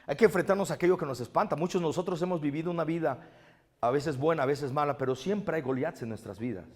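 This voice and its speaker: High-voiced man preaching. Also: fast talker. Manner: lively, asks the audience questions, storytelling. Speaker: parish speaker. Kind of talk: sermon. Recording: long reverb of a big hall.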